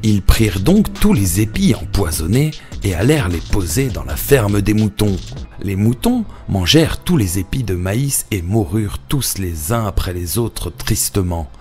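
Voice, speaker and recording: A man's voice: lowish voice, big pitch swings, unhurried, a little mellow. A man narrating a children's cartoon fable as a scripted storyteller. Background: background music.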